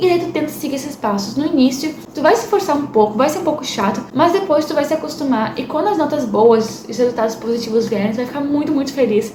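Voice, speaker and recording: Through audible room echo and noticeable background noise, a woman with a high pitch talks at a very fast pace. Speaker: booktuber. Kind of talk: casual chat.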